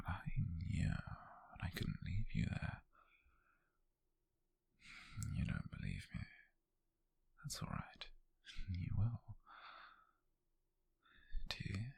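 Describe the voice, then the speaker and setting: A British man playing a possessive, obsessive mafia kidnapper in an ASMR roleplay, speaking slowly in a breathy, husky whisper with a menacing tenderness. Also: deep voice, no room sound, heavily acted. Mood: tender, possessive. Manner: slow, deliberate, menacingly tender.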